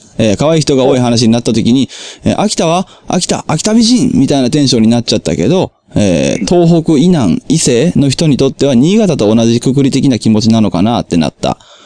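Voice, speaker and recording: A man with a Kansai accent talks at a fairly quick pace and a medium pitch, with very wide pitch swings. His loudness stays very even, and the sound is dry and close with no echo. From Kansai, Japan (Amagasaki, Hyogo). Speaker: podcast host and musician. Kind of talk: casual chat. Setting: Skype call.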